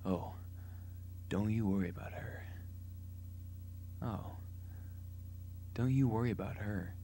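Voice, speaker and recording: A man voicing a flirtatious rogue with a suggestive drawl, in an amateur audition on a quiet, hissy recording. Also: fairly low pitch, takes it slowly, creaky. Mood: flirtatious, coaxing. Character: smooth, flirtatious male rogue. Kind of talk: amateur character audition lines.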